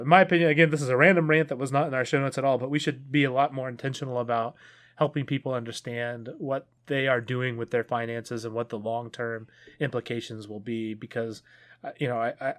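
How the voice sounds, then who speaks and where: A man co-hosting a casual podcast, talking in long earnest rambles that trail off quietly. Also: medium pitch. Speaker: podcast co-host. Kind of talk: casual chat.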